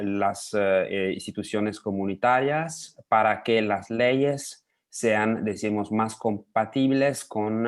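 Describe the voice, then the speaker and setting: Italian guy on a video call, kinda low voice, lots of eh and pauses in his spanish. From Italy. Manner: hesitant, many pauses and fillers. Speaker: interview guest, lobbying association head.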